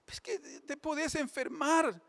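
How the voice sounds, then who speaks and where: A man's voice: extremely high pitch, steady tone, slow, fairly bright tone, long reverb tail, voice pushed up, heavily acted. A man voicing an anxious, weepy husband who frets about death in a whiny voice. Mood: fretful. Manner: whiny, fretful.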